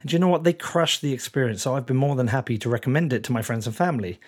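A male podcast host with an English accent speaks in a croaky, husky voice, as if it is nearly gone. His delivery is informal and addressed straight to the listener, suited to show intros and sponsor reads. The hoarseness roughens his words throughout. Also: mid-range voice, rapid-fire. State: losing his voice.

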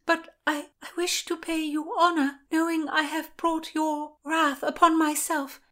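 A woman's voice: high voice, level tone, unhurried, sharp tone, pitched above the performer's own voice. A woman voicing a frightened young noblewoman who pleads in a breathless, stammering way. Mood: frightened pleading.

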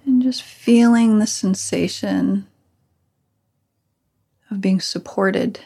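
A woman guides a meditation very slowly, leaving long pauses between gentle instructions. Her voice is soft-edged and mellow, with a breathy, husky grain. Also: mid-range voice. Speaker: meditation teacher.

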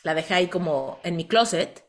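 A woman with a Mexican accent hosting a motivational coaching talk, telling stories in an animated way and often ending lines with a questioning tag. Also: lowish voice, normal speed. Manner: animated storyteller, tags lines with "¿no?". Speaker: host.

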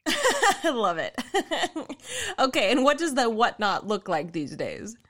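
A woman's voice: fairly high pitch, wildly swooping pitch, slow, a bit bright. A woman hosting an interview podcast, chatting casually and laughing often. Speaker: podcast host.

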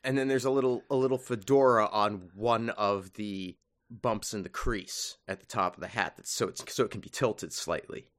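A man co-hosting a comedy podcast, riffing in a deadpan, mock-solemn way. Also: on the low side, normal speed. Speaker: podcast co-host. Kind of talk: improv comedy podcast chat.

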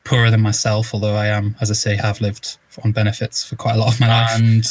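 A man's voice: fairly low pitch, monotone, fast, no room sound. A young man from northeast England, a guest in an interview, talking casually and thoughtfully with many restarts and ums. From Newcastle, northeast England. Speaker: guest, video essay narrator.

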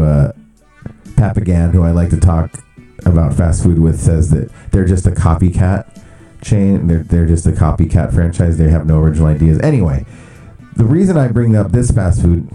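A male radio host chatting casually and jokily from a studio, rambling and swearing, sometimes putting on a mock booming announcer voice. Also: mellow.

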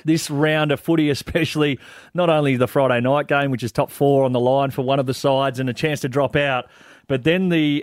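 An Australian ex-footballer on a radio panel hypes an upcoming match in a jokey way. His mid-pitched voice is dry and close to the mic. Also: dry recording. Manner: hyping, jokey, laughs often. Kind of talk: casual sports radio banter.

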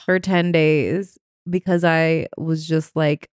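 A woman hosting a podcast interview, talking in a chatty, animated way with many filler words. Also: sits low, slow pace, clear, resonant tone, no echo, clean studio sound. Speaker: podcast host. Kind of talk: casual conversational interview.

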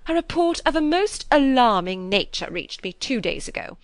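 A woman voicing a haughty, imperious older aristocratic lady who speaks stiffly and slowly. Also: medium pitch, lively intonation, fairly bright tone, dry recording. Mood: angry, imperious. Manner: stiff, slow and commanding.

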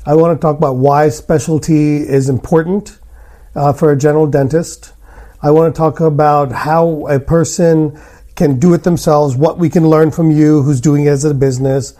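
Higher-pitched, mellow male podcast host. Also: fairly even intonation, normal speed. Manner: blunt, opinionated. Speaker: podcast host, general dentist. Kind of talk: conversational podcast hosting. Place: hotel room.

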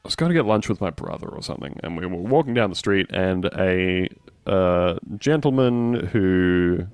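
A man's voice: low voice, dry recording. A man, rambling through anecdotes in casual chat as a podcast co-host, with dry humor.

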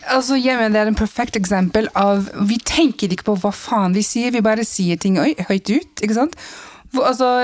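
A woman's voice: medium pitch, dry recording. A woman talking as a podcast guest, blunt and emphatic, switching between Norwegian and English mid-sentence. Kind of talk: casual podcast conversation.

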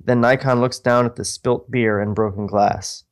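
A man's voice: mid-range voice, steady tone, moderate pace. A man reading stage directions from his own old script, dropping in mocking, casual asides. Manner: mocking, self-deprecating asides, swearing. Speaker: host reading his old screenplay aloud.

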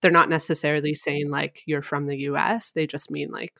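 A woman's voice: deep voice, flat delivery, fairly quick, vocal fry, bright, forceful tone, no room sound, studio quality. A young woman hosting a podcast, asking questions in a casual, curious chat. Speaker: podcast host.

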